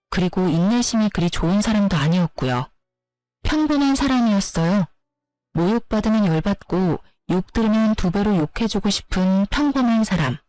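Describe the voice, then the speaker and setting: A woman's voice: mid-range voice, dark tone, no echo, rough recording. A young woman narrating a first-person family story, frank and indignant, confronting her mother-in-law.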